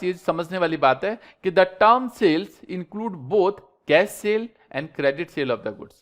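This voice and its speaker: A man's voice: on the high side, fairly bright tone. A man teacher giving an accounting lesson, asking questions and answering them himself, with English terms mixed in. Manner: repeats questions and has students answer; mixes English terms into his speech. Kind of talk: classroom lecture.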